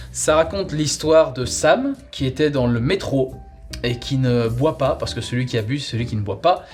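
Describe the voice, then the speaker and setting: A man presenting a comic, conversational review, rambling playfully and drawing out words for emphasis. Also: a little high.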